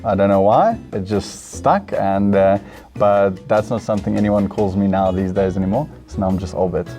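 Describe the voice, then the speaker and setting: A man's voice: lowish voice, normal speed, mellow, faint music behind. A South African man hosting a game show in a casual, easygoing, chatty way.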